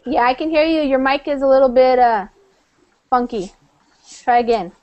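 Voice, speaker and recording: A woman's voice: high voice, normal speed, dull audio. A woman from the United States teaching an online English class over a video call, friendly and chatty with many fillers.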